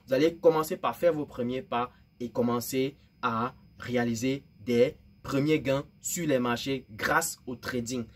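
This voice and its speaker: Host, male, husky voice, excitable direct-to-camera delivery with lots of rhetorical questions. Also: mid-range voice. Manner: animated, exclaiming, with many "n'est-ce pas" and "vous voyez". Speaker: host of a trading channel.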